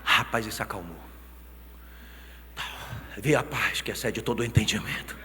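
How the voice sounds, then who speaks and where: A Brazilian man in his thirties preaching a sermon as pastor, telling stories with swings from quiet talk to shouting. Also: fairly low pitch, moderate pace, a little hiss or hum. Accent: Brazilian Portuguese. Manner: animated storytelling, swings from soft to shouting. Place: church hall. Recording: long church hall reverb.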